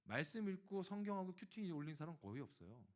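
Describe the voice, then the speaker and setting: Male pastor, lively pitch, storytelling sermon that addresses the congregation. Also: quick pace. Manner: animated storytelling, acting out dialogue; speaks directly to the congregation.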